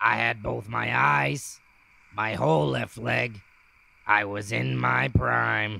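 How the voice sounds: Putting on a cartoonish character voice, a man speaks in a very deep, low, raspy tone at a very slow pace with very wide pitch swings.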